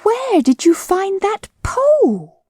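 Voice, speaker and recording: A woman's voice: very high-pitched, wildly swooping pitch, slow pace, warm tone, no room sound, studio quality, voice pushed up, exaggerated voice. Christopher Robin, an earnest small boy, as a woman voices him. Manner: calling out, solemn. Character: earnest young boy leading friends.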